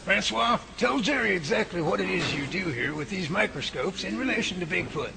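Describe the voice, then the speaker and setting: A man playing a gravelly lab boss. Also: high-pitched, fairly quick. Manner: steady, explanatory tour guide. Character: Bigfoot lab head giving a tour. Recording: noisy home-made audio drama.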